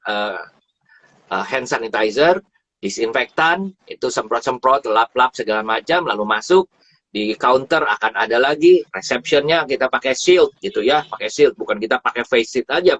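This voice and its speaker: A man giving a casual, animated talk about travel on a live stream, often repeating words for emphasis. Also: medium pitch, dry recording. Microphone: phone or live stream mic. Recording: dull dry live stream audio.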